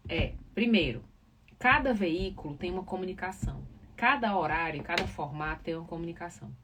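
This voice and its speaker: A communication professional hosting a live podcast, this woman has a Northeastern Brazilian accent from Ceará and explains things to live viewers in an informal, teaching manner, stressing key words. Her voice is fairly low and fairly bright, brisk, with lively intonation. The mic is distant and background noise is clearly audible.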